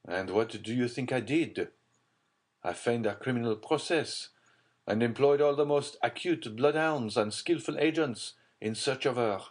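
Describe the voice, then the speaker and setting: A man's voice: mid-range voice, a little slow, natural voice. A man voicing a grim, despairing prosecutor in an audiobook, speaking in a grave, urgent, confiding way. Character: grim, despairing male prosecutor, middle-aged, secretive. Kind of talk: audiobook character voice.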